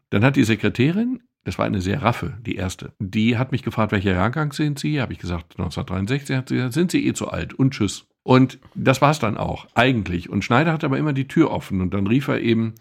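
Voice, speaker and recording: Low gravelly man telling stories. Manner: storytelling, self-ironic. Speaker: podcast co-host, physician. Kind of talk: casual podcast conversation.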